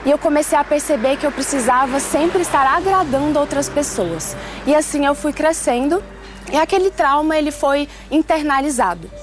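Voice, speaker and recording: A woman in her twenties from Switzerland recounts her own story in an earnest, measured testimony. Her voice sits a little high, and gentle music plays faintly underneath. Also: expressive. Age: 20s. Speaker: testimony speaker. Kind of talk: personal testimony.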